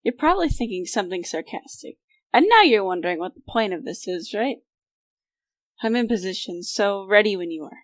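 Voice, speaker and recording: A woman's voice: medium pitch, animated, fairly quick, dry recording, close to an everyday voice. Woman acting a dry, reluctant young lookout. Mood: dry, uneasy. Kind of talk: audio drama acting.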